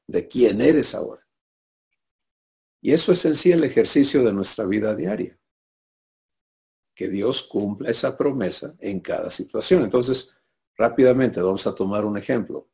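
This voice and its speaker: A man's voice: mid-range voice, lively intonation, measured pace, vocal fry, long pauses, mellow. A man preaching a sermon, teaching and often asking listeners for assent. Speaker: pastor.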